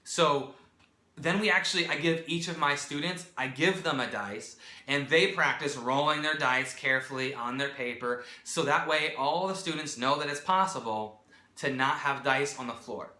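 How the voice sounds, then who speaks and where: A man who works as a teacher, clearly and methodically explaining how to give classroom directions. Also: on the high side, normal speed, bright, forceful tone, roomy sound. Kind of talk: instructional talk to new teachers.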